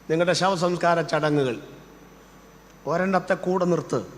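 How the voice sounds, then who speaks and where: An older man preaches, his voice high and bright. He pushes his listeners with rapid rhetorical questions and fervent urging. A long reverb trails each phrase through the church hall. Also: slight background noise. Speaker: pastor. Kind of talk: sermon.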